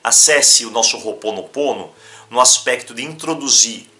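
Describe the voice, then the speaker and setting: A man's voice: medium pitch, moderate pace, faint music behind. A man from Brazil teaching a self-help practice in an emphatic, instructional talk. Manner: animated, emphatic, breaks into demonstrations.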